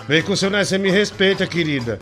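Teasing Brazilian radio host over music. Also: male voice, high-pitched, lively intonation, fast, fairly bright tone. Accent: Brazilian Portuguese. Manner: mocking, teasing, repeats himself. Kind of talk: casual comic radio banter. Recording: music playing behind the voice.

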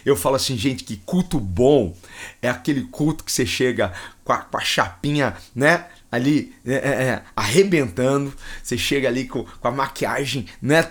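A man's voice: medium pitch, normal speed. Man, Brazilian accent, preacher, livestreamed sermon, fervent, repeats phrases, voice swells with emotion. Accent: Brazilian Portuguese.

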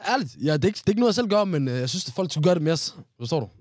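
Lively teasing young-sounding man. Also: fairly high pitch, no room sound, clean studio sound. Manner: playful, teasing, lively, mixes Danish with English slang. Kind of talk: casual chat.

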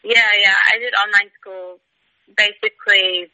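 Bright, dry-toned young Australian woman. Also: medium pitch, fairly even intonation, a little slow, dry recording, highs cut off. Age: late teens. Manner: hesitant, many fillers and restarts. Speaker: guest, tennis player. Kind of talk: casual interview answers.

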